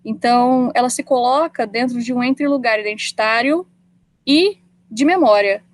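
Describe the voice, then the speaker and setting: Woman presenting a literature paper. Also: fairly high pitch. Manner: measured, reads quotations aloud. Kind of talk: academic presentation.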